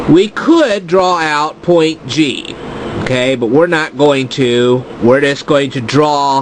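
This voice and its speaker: A man speaks at a very slow pace in a fairly high pitch with ordinary pitch variation. Noticeable background noise runs underneath. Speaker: math teacher. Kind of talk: tutorial. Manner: halting, self-correcting.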